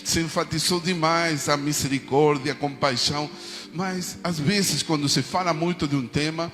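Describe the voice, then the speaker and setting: Slightly high and fairly bright in tone, the voice of this Argentine pastor carries a big-room sound as he preaches in his native Argentine Spanish accent. He directs call-and-response prayers with the congregation and often says "amém."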